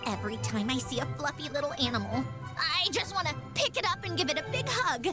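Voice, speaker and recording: A woman's voice: high voice, lively intonation, fast talker. An actress voicing a proud, ladylike young machine doll in a video game, with a prim, precisely worded delivery. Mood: wistful, defensive. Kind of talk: scripted video game character voice lines. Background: music.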